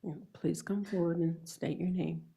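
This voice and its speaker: A congested woman chairing a public school board meeting, polite and procedural, with a husky voice. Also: lowish voice, steady tone, normal speed, warm tone. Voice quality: husky, gravelly voice.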